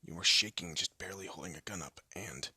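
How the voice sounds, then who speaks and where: A man voicing a hardened ex-gangster husband in an audio roleplay, talking in a low threatening whisper. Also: fast, sharp tone, slightly rough, dry recording, clean studio sound, exaggerated voice. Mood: somber. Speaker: voice actor.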